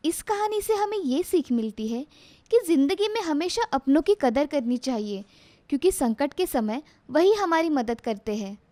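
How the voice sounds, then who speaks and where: A woman narrating a moral cartoon story in a plain, steady storybook manner. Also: high-pitched, normal speed.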